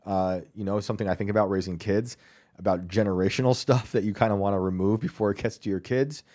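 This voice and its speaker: A man's voice: on the low side, steady tone, quick pace, a little mellow. A man hosting a call-in podcast, chatting casually, thinking aloud with fillers and frequent laughs. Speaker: podcast host. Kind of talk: casual call-in show chat.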